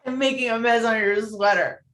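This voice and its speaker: A woman's voice: fairly high pitch, fairly even intonation, normal speed, fairly bright tone, roomy sound, natural voice. A woman reading the part of an emotional, self-critical woman in her thirties from a romantic comedy script. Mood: tender, shy. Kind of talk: virtual table read of a film script.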